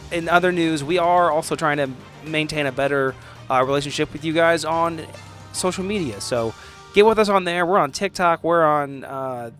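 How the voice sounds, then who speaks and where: A man's voice: fairly high pitch, fairly bright tone. A man hosting a podcast, casually thanking and addressing listeners. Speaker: podcast host and player.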